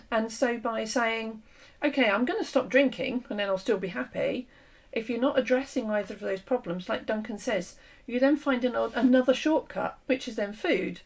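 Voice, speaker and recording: Host: woman, gravelly, slightly hoarse, earnest explainer, conversational interview. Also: fairly high pitch, moderate pace. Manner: earnest, explanatory, with frequent fillers and restarts. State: losing her voice. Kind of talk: conversational discussion.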